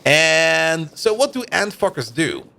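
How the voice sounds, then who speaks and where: Lively, laughing streamer guy. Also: fairly high pitch, slow, creaky, slight background noise. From Germany. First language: Dutch. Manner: chatty, laughs often between remarks. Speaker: game streamer. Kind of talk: casual live-stream chat while gaming.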